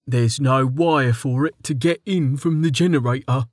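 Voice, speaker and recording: A narrator voicing Mig, a teasing, slow-witted young male guard who insists on a conspiracy. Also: medium pitch, no echo, clean studio sound, lightly acted. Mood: insistent. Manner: teasing, stubborn conspiracy talk.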